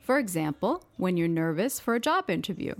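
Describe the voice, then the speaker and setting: A woman co-hosting an English-learning podcast, explaining things in a clear, friendly way. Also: lowish voice, very animated, a little fast, soft background music. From United States. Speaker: podcast co-host.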